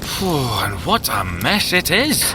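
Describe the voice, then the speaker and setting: An actor playing an excitable, grumbly young male tech-genius agent with a Scottish accent and a wry, geeky manner in an audio drama. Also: mid-range voice, slow. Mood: grumbling, playful. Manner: expressive, wry, boyishly geeky. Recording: music under the voice.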